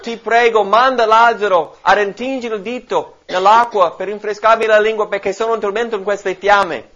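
Man playing a desperate rich man in torment, higher and louder pleas, dull lo-fi sound. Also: steady tone, normal speed. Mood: pleading. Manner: pleading, raised and urgent. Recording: dull lo-fi recording.

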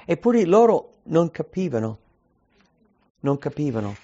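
A man's voice: fairly high pitch, very animated, unhurried, mellow. Emphatic male preacher, lo-fi sound. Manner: emphatic, asks many rhetorical questions. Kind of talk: sermon.

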